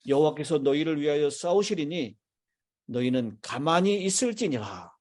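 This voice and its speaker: A male pastor delivers a sermon from the pulpit of a church. His voice sits a touch high and he speaks in measured phrases, stopping to ask the congregation questions and wait for their answers. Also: lively intonation, darkish tone. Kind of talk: sermon with congregation call-and-response. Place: church sanctuary.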